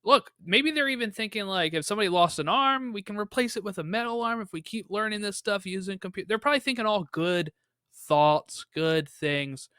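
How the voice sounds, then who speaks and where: A man's voice: sits high, a little fast, sharp tone, clean tone, no room sound, studio quality. A man co-hosting a podcast, chatting casually about a movie in a thoughtful, musing way with rhetorical questions. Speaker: podcast co-host. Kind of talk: casual film discussion.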